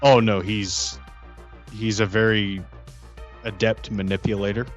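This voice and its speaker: A man playing an earnest, guarded vampire political insider, speaking haltingly and repeating phrases in an improvised role-play. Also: lowish voice, flat delivery, soft background music, lightly acted. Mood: uneasy, confiding.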